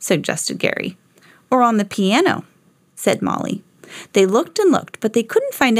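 This is a natural reading voice. The text is read aloud naturally.

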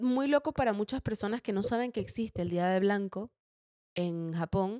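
A woman with a fairly high pitch talks at a moderate pace. Her intonation is lively, and the sound is dry and close with no echo. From Panama, Venezuelan family. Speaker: podcast co-host. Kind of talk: casual chat.

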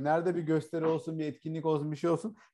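Against a quiet background, a man speaks at a high pitch with a dark, mellow tone. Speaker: podcast co-host. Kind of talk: casual chat.

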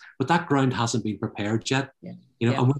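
A man speaks with a Northern Irish accent and ordinary pitch variation. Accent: Northern Irish (Belfast). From Northern Ireland, outskirts of Belfast. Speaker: university lecturer. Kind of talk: panel discussion.

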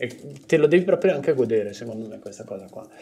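A man is speaking. His tone is dark and mellow. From northern Italy, Brescia. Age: 40s. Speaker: actor. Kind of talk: casual chat.

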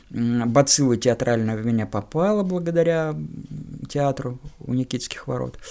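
A man talks with a dark, mellow tone and lively intonation at a moderate pace. The recording is very clean, with a silent background. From Shakhty, Rostov region, southern Russia. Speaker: film director, former circus clown and actor. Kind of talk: interview.

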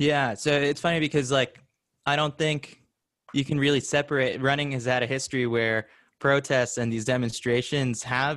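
A man with an American accent speaks in a plain, everyday voice at a moderate pace, his intonation fairly even and the sound dry and close with no echo. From New York City. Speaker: sports journalist. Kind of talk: interview. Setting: at home, remote.

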